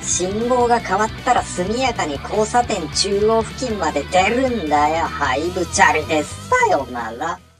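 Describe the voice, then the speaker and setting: With music in the background, a woman with a Gunma accent speaks at a fairly slow pace and a medium pitch, her pitch swinging very widely and her speech having hardly any pauses. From Gunma, Japan. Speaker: comedian. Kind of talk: comedic voice-over commentary on dashcam clips. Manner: scolding, exasperated.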